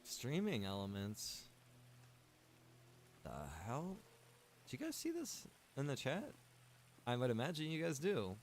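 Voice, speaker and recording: A man's voice: medium pitch, wildly swooping pitch, measured pace, pauses often, a little hiss or hum. Chatty male streamer playing a game. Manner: chatty, talks to chat and game characters. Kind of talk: casual live-stream chat while playing.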